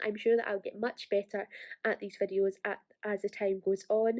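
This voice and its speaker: A woman speaks with an Ayrshire accent. The recording is very clean with a silent background, and the sound is dry and close with no echo. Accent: Scottish, Ayrshire. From Ayrshire, Scotland. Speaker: budgeting video creator.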